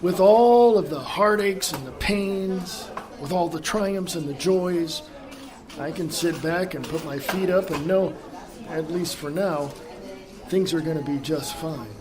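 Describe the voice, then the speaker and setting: In a radio theatre monologue, an actor plays a middle-aged family man who is reflective, contented and earnest. He speaks in a measured, pensive way with dramatic pauses, his natural voice fairly high-pitched against crowd noise.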